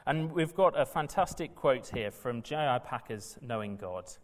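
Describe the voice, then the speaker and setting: A man's voice: medium pitch, expressive, normal speed. A man from Wales, teaching a Bible session in an earnest, emphatic way that builds in bursts. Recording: reverberant hall.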